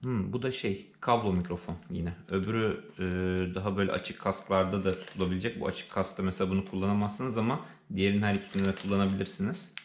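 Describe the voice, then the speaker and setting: A man's voice: deep voice, fairly even intonation, fast, hardly any pauses. A man with a Turkish accent giving casual, unscripted unboxing commentary, thinking aloud hesitantly as he goes. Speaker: unboxing presenter. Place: indoors, living room. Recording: roomy, echoey sound with faint noise.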